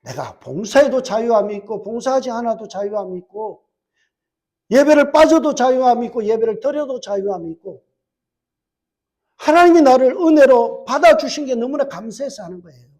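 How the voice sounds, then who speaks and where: A man's voice: very high voice, expressive, normal speed, a little mellow. A male pastor preaching a church sermon, putting rhetorical questions to the congregation and answering them with emphatic, repeated phrases. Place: church service.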